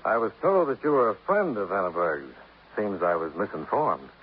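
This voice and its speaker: A cool, wry investigator who narrates and questions people in a dry, laconic way. His voice is fairly low. The sound is dull, old radio, with a faint hiss. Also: very animated, normal speed. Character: wry insurance investigator, grown man, cool. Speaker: narrator and lead. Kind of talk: 1950s radio drama narration.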